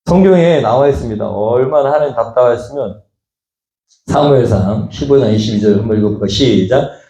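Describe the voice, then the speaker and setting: A man's voice: mid-range voice, a little fast, warm tone. A male pastor preaching a sermon, pressing the congregation with rhetorical questions in casual, conversational speech. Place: church sanctuary. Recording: echoey church hall.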